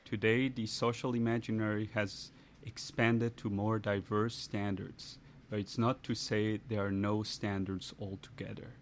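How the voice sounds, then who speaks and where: A man reads a scripted narration in a measured, explanatory manner. His voice sits low and barely rises or falls. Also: little pitch movement, slight background noise.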